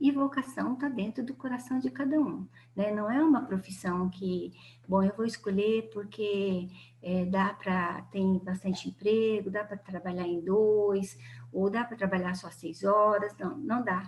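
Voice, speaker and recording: Somewhat breathy, a woman speaks at a medium pitch and fairly slow pace with lively intonation. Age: 60s. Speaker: nurse manager. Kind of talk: webinar talk.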